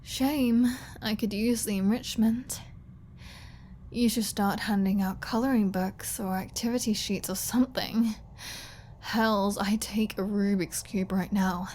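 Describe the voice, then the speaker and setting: Female vampire for audio roleplay, acted by a woman: unhurried delivery, mid-pitched, flirty, snarky and defiant. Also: steady tone, a little mellow, slight background noise, lightly acted. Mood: snarky, playful. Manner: sarcastic, teasing, playful. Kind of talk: scripted ASMR audio roleplay.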